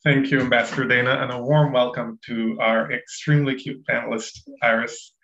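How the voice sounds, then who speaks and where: A man from Ethiopia, a native Amharic speaker, moderates an online panel at a measured pace with plenty of fillers. His voice is gravelly. The sound is dull and echoey, as from a bare room. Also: mid-range voice, flat delivery, fairly bright tone.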